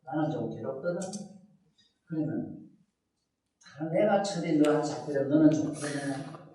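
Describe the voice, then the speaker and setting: An older man with a tells a story in a gentle way. He acts out small conversations between children. His voice carries through a very echoey hall, picked up from well back. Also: fairly high pitch, normal speed, a little hiss or hum. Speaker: Buddhist dharma teacher. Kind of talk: dharma talk to a child and audience. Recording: echoey hall, heard from a distance.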